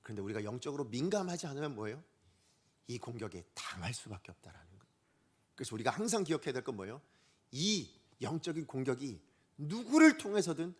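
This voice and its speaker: A man preaching a Sunday sermon as pastor, lively and full of questions to the congregation. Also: fairly high pitch. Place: church sanctuary.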